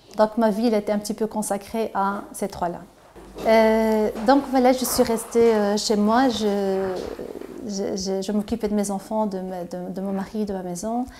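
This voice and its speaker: A woman's fairly high voice, fairly slow in pace, with fairly even intonation. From Morocco. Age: 40s. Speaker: volunteer teacher. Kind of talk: testimony. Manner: halting.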